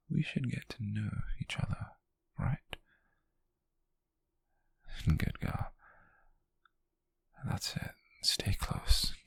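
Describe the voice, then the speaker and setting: A British man playing a possessive, softly menacing rich captor in an intimate ASMR roleplay, murmuring in a breathy, husky voice with slow, coaxing deliberation. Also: fairly low pitch, no echo, heavily acted. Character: possessive, softly menacing wealthy male captor, obsessive and doting. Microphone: close microphone, dry.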